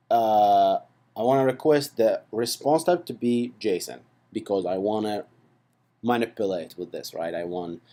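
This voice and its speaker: A programming instructor with a warm, slightly low male voice leads a casual screen-recorded coding tutorial. He keeps it chatty and playful, checking in with the listener through frequent asides like "right?" and "okay."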